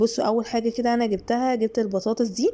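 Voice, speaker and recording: A woman talks with monotone, flat intonation at a fairly high pitch. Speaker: vlogger. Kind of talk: voice-over narration. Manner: halting.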